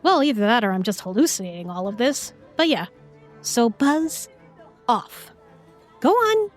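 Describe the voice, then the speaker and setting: Woman playing a sassy, high-voiced fantasy heroine. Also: sing-song, unhurried, faint music behind. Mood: defiant. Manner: sassy, confrontational, casual modern slang. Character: feisty, sarcastic modern young woman in fantasy world. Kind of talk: fantasy audio drama acting.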